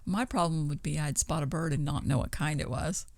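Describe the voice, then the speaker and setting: A woman's voice: low-pitched, brisk, darkish tone, no echo. Giggly female co-host, close dry sound. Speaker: podcast co-host. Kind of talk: casual chat, reacting to the host.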